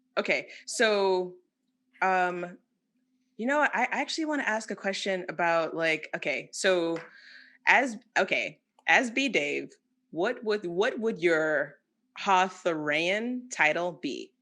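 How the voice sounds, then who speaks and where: A woman with a bright, sharp tone talks at a very slow pace, using long, frequent pauses and lively intonation. The recording is very clean, with a silent background. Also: medium pitch for a woman. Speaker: podcast co-host. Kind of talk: casual chat. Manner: halting.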